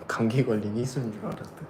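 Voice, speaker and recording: A man's voice: mid-range voice, steady tone, a little fast, noisy background. A young man casually chatting with fans on a livestream, laughing often and answering comments. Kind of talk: casual live chat reading comments.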